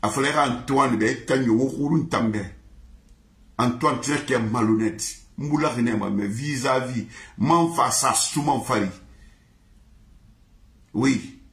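Guy chanting slow and repetitive, sing-song, echoey room. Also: medium pitch, a bit bright. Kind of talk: chanted song in mixed languages.

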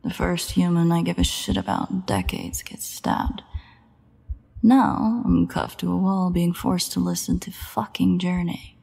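A woman's voice: lowish voice, lively intonation, measured pace, gravelly, a little mellow, husky, heavily acted. A woman acting a sardonic, protective, foul-mouthed vampire in an intimate audio roleplay, grumbling sarcastically with hesitant asides. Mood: bitter, brooding.

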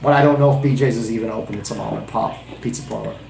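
A beer reviewer and channel host rambles through a casual live-stream chat in a small, wood-paneled indoor room that sounds roomy, thinking aloud with many restarts. His fairly low voice is rapid-fire, fairly even, a little mellow, and has vocal fry. There's a little hiss or hum.

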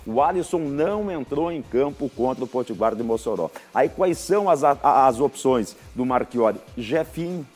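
A man's voice: medium pitch, lively intonation, moderate pace, hardly any pauses, darkish tone. A middle-aged Brazilian man giving football analysis on a TV studio show, emphatic, repeating his points, with folksy sayings. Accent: Brazilian Portuguese. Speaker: football commentator. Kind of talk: live TV sports analysis.

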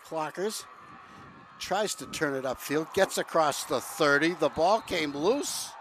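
A man doing play-by-play for a local TV broadcast of a high school football game, excitable and shouting on big plays. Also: a little slow, slight background noise. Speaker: play-by-play announcer.

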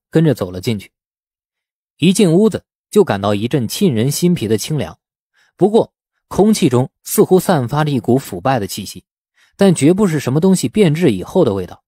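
A man narrates an audiobook novel in a husky, mellow voice. His storytelling rises and falls in lively swings of pitch. The sound is dry and close to the microphone. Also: normal speed, dry recording.

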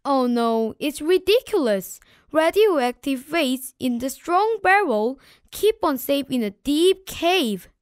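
A woman's voice: sits high, lively intonation, slow pace, no echo, clean studio sound. A woman playing a confident, teasing young elder brother in a children's storybook audiobook. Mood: scoffing.

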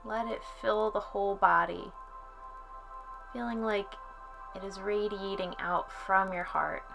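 A woman leading a guided relaxation as a yoga instructor, speaking in a calm, soothing way with long pauses. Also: medium pitch, gravelly. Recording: soft music under the voice. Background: music.

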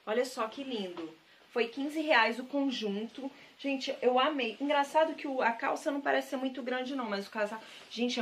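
A woman's voice: fairly high pitch, a bit bright. Gushing Brazilian woman showing thrift finds. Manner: chatty and gushing, repeats praise words; addresses viewers directly as "gente". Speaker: thrift-shop vlogger. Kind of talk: casual haul chat to camera.

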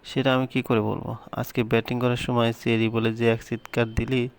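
A man reading the lines of a sarcastic teenage schoolgirl friend in a story, in a flat, blunt delivery. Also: mid-range voice, moderate pace, clean tone, close to an everyday voice.

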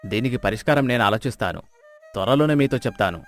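An actor playing an authoritative, concerned village elder. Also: male voice, medium pitch, expressive, fast talker, natural voice. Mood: stern, concerned. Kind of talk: moral storybook character voice. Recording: music behind the voice.

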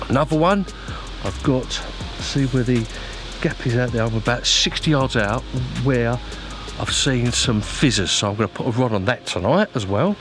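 A man chatting casually to viewers as an angler presenting a vlog, informal and matey, giving practical advice. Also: medium pitch.

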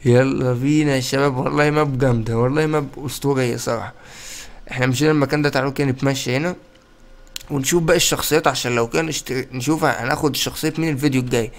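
Young Egyptian male gaming host, playful and chatty, rattles along quickly. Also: mid-range voice, steady tone. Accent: Egyptian Arabic. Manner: playful, chatty, addresses viewers directly. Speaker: gaming YouTuber. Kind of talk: casual gameplay commentary.

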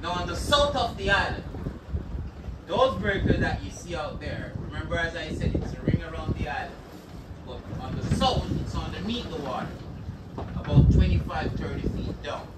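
Jamaican man, boat tour captain, fairly high voice, laid-back, heard from a distance over loud wind and engine. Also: expressive, moderate pace, echoey room. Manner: easygoing, repeats "yeah, man" and checks in with "yeah?". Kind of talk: guided tour commentary. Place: outdoors on a boat at sea. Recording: windy, noisy outdoor boat recording from a distance. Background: boat engine, water and wind.

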